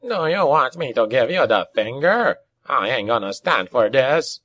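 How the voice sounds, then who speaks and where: A man voicing an aggrieved, menacing goblin shaman with a rasping voice and rough, ungrammatical speech, in an audiobook. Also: high voice, huge pitch swings, slow, a bit bright, no echo, pitched above the performer's own voice, exaggerated voice. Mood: menacing anger. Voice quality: raspy. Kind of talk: acted audiobook dialogue.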